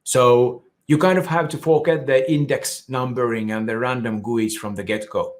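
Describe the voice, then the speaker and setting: Finnish male conference speaker, explanatory technical talk with restarts, mid-pitched voice. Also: steady tone, moderate pace. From Finland. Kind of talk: technical presentation.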